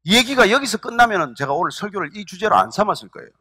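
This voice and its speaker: A middle-aged male pastor giving a sermon, telling a story with animated quoted speech. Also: high-pitched, racing, husky, dry recording, clean studio sound.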